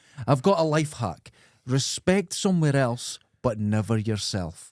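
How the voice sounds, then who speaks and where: Speaking at a fairly slow pace with very wide pitch swings, a man with a strong Scottish accent is heard in a very clean recording with a silent background. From Scotland, Dundee. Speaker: comedian podcast co-host. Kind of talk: casual comedic chat. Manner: animated.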